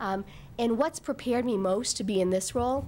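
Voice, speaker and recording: A woman with an American accent, vocal fry and fairly even intonation, over light background noise. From Massachusetts South Shore; Massachusetts. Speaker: school administrator, superintendent candidate; candidate. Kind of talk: job interview. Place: meeting room. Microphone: podium.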